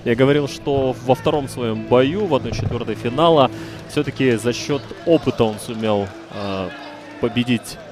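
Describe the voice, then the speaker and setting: A man's voice: medium pitch, normal speed. Male fight commentator feeling for his words, music behind. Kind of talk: live sports commentary.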